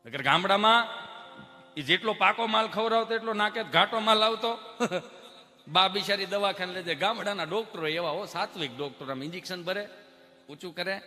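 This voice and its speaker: A man with a voice that sits high does Gujarati folk comedy storytelling as a stand-up comedian in a large hall. Animated throughout, he acts out the people in his stories: mothers, children and doctors.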